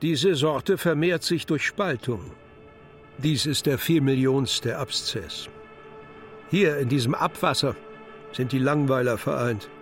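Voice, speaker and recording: A stern, detached philosopher guide to the underworld acted by a man speaks in clipped, instructive pronouncements. The delivery is slow and authoritative, with music behind it, as in a poetic radio drama. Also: mid-range voice, natural voice. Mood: detached, contemptuous. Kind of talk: German radio play, poetic recitation.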